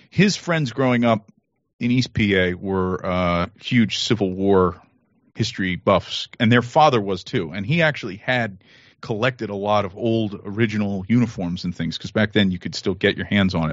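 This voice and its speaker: The pace is moderate and the pitch variation ordinary. It is a normal speaking voice. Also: man, fairly low pitch for a man. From West Virginia, moved from Pennsylvania at seven. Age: 40s. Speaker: podcast guest. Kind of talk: casual chat.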